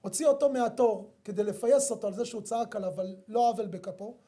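Male rabbi, sermon delivery, mellow tone, emphatic and direct with listeners. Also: high voice. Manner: emphatic, addresses listeners directly with rhetorical questions. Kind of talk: sermon with storytelling.

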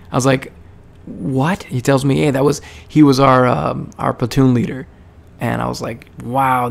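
Gravelly man telling army stories. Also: mid-range voice. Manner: rambling, many fillers and restarts. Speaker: podcast host; army veteran. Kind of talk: casual storytelling monologue.

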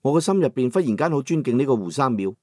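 A man with a Cantonese accent narrating a first-person novel as an audiobook, in a steady descriptive storytelling manner. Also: medium pitch, fast, no room sound, studio quality.

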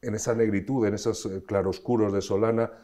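A middle-aged man from Spain with a very low voice talks as a guest in an interview. He tells his stories in an expansive, animated way, often restarting his phrases. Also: brisk. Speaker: actor, guest. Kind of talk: conversational interview.

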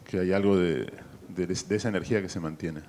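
A man's voice: low voice, fairly even intonation, brisk, dark tone, a little hiss or hum. A man in his fifties with an Argentine accent, a film director speaking thoughtfully with many fillers into a handheld mic in a small festival room. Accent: Argentine Spanish. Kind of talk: festival press interview.

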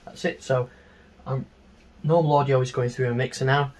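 A middle-aged man gives an informal, unscripted screen-share tutorial on music software, explaining step by step into a handheld microphone in a small home studio. His medium-pitched voice is steady at normal speed.

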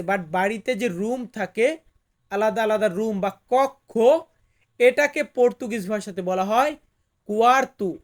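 Slow, repetitive male language teacher. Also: sits high. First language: Bengali. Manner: slow, repetitive, explains each word twice. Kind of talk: slow vocabulary lesson.

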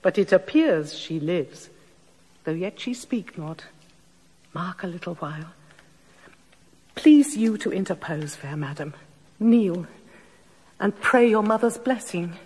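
A woman's voice: on the low side, animated, takes it slowly, pauses often, breathy edge, heavily acted. An actress playing a loyal, commanding older noblewoman, speaking verse in a solemn, incantatory way. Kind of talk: classical stage acting, audio drama. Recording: long reverb with soft music behind.

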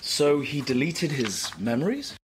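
A man's voice: a little high, sing-song, a little slow. A man voicing a lonely, blunt and curious young woman in a cartoon table read, with an eager, questioning manner. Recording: noisy informal room recording.

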